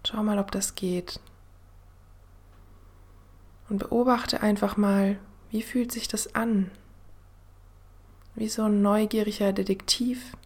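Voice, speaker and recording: A woman host guiding a meditation in the soothing manner of a sleep story narrator, gentle and unhurried, with a soft, breathy voice that often drops to a near-whisper. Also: medium pitch, fairly even intonation. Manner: gentle, unhurried, with long pauses. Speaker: podcast host and meditation guide.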